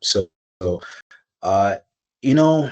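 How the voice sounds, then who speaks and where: A man talks with ordinary pitch variation. Behind him the background is quiet. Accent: American. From US Pacific Northwest (Kirkland, Washington), earlier Orange County, California. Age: 40s. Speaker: personal trainer. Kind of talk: podcast interview.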